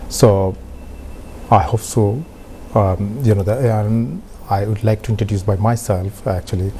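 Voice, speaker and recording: A man's voice: fairly low pitch, steady tone, unhurried, warm tone. Hesitant Bangladeshi-accented male guest. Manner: hesitant, frequent "you know" fillers. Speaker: studio guest. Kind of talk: self-introduction on a talk show. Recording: faint background noise.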